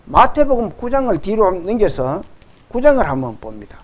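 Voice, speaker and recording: A middle-aged male pastor preaching a sermon, reading verses slowly and with emphasis and acting out the quoted voices. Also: sits high, huge pitch swings.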